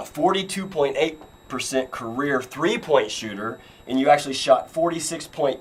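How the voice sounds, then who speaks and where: The voice carries an animated tone at a moderate pace. There is noticeable background noise. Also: man. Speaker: basketball coach and show host. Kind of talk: casual interview.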